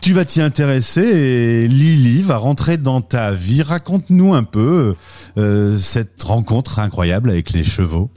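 A man hosting an interview show, lively and upbeat, leading his guest through her story with questions. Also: mid-range voice, unhurried, soft background music. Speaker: podcast host.

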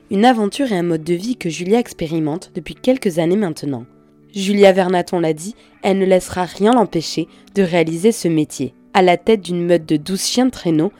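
A woman with a low, mellow voice reads a scripted podcast introduction. Her delivery is even and measured, as if read aloud. Soft music plays behind her. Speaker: podcast host. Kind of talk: scripted narration. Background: soft background music.

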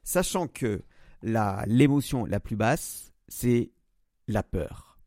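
A man's voice: on the low side, expressive, takes it slowly, warm tone, no room sound, studio quality. A man hosting a solo podcast, talking straight to the listener with many hesitations and restarts. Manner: addresses listener directly. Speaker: podcast host. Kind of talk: solo podcast monologue on emotions.

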